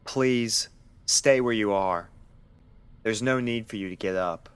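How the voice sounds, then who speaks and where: Storybook doctor pony, male man acting: deep voice, controlled, reassuring, courteous and clinical. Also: clean tone, no echo. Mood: calm, reassuring. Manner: measured, soothing, polite.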